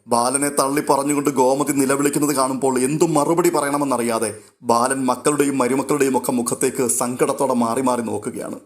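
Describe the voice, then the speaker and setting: A man narrating a serial recap in a rapid, dramatic retelling. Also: medium pitch, flat delivery.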